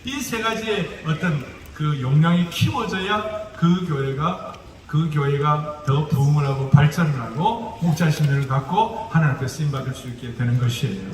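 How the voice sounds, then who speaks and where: This man's voice sits on the high side and moves at a moderate pace as he gives a lecture-style sermon in Gyeongsang dialect. The pastor cracks jokes and poses rhetorical questions to the audience, captured by a far-off mic in a noisy, reverberant hall.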